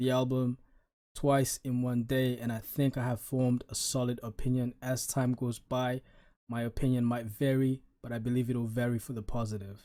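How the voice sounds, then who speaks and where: A man with a non-native accent speaks in a dark, mellow tone at a medium pitch and moderate pace, his intonation monotone and flat, on a very clean recording with a silent background. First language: not English. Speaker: music reviewer and rapper. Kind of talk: casual album review. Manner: hesitant, many fillers.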